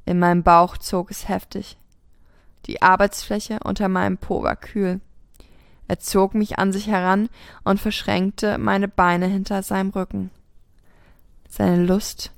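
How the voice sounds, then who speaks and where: Woman reading a spicy story out loud, bit of vocal fry, dry close sound. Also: mid-range voice, no room sound. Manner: steady first-person reading. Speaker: podcast host reading a story. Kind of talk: reading an erotic story aloud.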